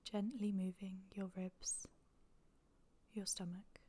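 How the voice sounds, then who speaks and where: A woman guides a relaxation practice in a hushed, breathy voice. Her intonation stays level and barely moves. She is gentle and soothing, leaving long pauses between short phrases. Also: mid-range voice, level tone. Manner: soft, breathy, near-whispered delivery. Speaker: yoga nidra meditation guide. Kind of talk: guided meditation.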